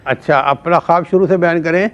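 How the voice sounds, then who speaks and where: A male host runs a call-in show. His voice is a little high and the audio is slightly dull. He greets each caller courteously and formally. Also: fairly bright tone.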